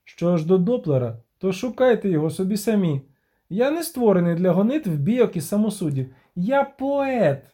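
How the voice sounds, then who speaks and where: A man's voice: high voice, big pitch swings, moderate pace, warm tone, pitched above the performer's own voice. A man voicing a vain, boastful young bard with a theatrical, sing-song delivery. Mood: haughty. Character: vain flamboyant young male bard, cheeky showman.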